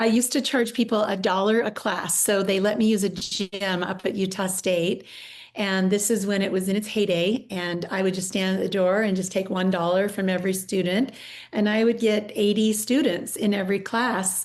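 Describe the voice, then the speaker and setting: A woman with an American accent speaks at a moderate pace in a plain, everyday voice, her medium pitch and intonation fairly even. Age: 60s. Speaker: interviewee. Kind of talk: interview.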